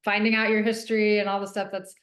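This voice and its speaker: A woman, a guest author, answering an interview question in an earnest, halting way with frequent ums. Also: mid-range voice, flat delivery, a bit bright, reverberant, low-quality recording.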